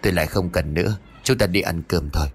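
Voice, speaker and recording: A man's voice: low voice, fast talker, soft background music, voice pushed down. A man doing a stern, domineering old landowner. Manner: commanding, threatening.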